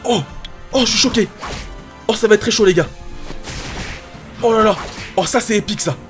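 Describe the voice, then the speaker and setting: A man giving excited gameplay commentary, hyped and swearing casually as he talks to his viewers. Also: high voice, moderate pace, faint music behind. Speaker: gaming YouTuber. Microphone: facecam setup.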